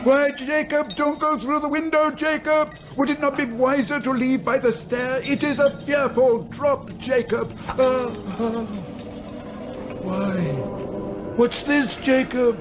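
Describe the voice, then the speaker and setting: An actor playing a nervous, pleading old miser in a radio drama, with a timid, fussy, wheedling manner. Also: male voice, very high voice, steady tone, slow, over music. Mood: alarmed, bewildered.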